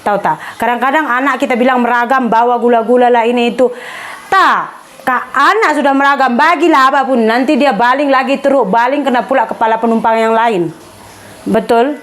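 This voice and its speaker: A woman's voice: fairly high pitch, a little fast, a bit bright. A woman chatting casually to camera as a vlogger, slipping English words into her talk.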